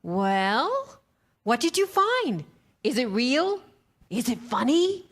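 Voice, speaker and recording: A woman's voice: high-pitched, sing-song, slow, full character voice. A woman playing an impatient, indignant female boss in a staged comedy reading, with a dramatic, demanding manner.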